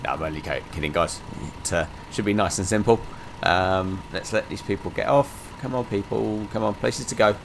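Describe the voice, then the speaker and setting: A man with a croaky voice from being ill, casually commenting as he plays a driving game, rambling with lots of fillers. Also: lowish voice, moderate pace, few pauses, a little hiss or hum. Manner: rambling, many fillers, chatty asides. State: croaky from illness. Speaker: gaming channel host. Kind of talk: casual let's-play commentary.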